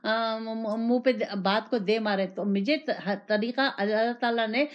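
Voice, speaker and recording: Woman, Islamic sermon, higher-pitched voice, repetitive rhetorical delivery, muffled lo-fi sound. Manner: repetitive, rhetorical questions, speaks in first person as example. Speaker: religious teacher. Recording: dull lo-fi recording.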